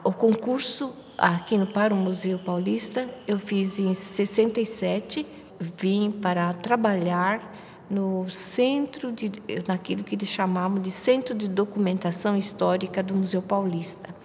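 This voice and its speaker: A woman's voice: medium pitch, steady tone, measured pace, a little mellow, a little hiss or hum. Woman in her seventies, reverberant sound. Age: 70s. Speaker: museum documentation staff. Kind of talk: documentary interview.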